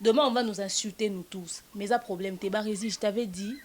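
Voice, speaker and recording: A woman hosting a casual web show, talking in an indignant, animated way and mixing French with Lingala. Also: mid-range voice, a little fast. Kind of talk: casual chat.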